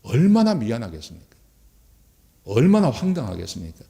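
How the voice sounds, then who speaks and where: A man's voice: medium pitch, fairly quick, vocal fry. A man preaching a sermon as a pastor, addressing the congregation directly and acting out quoted speech. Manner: acts out quoted speech in lively voices.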